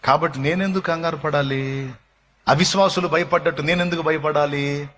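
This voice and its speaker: A man's voice: fairly high pitch, fairly even intonation, normal speed, a bit bright, a little hiss or hum. A male pastor preaching a sermon with emphasis, often putting rhetorical questions to his congregation.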